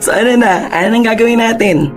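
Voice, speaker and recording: A man's voice: very high voice, a little fast, soft background music. An actor playing a sassy, campy gay man in his late twenties who teases with playful slang. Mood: teasing.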